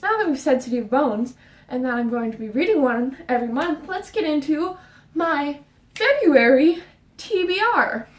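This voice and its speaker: A young woman with a high voice chats about books in a rushed, rambling way, audibly out of breath. She sounds set back from the mic in an echoey bedroom. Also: recorded from a distance. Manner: fast, rambling, with fillers and restarts. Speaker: book vlogger. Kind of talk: casual book chat. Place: her bedroom.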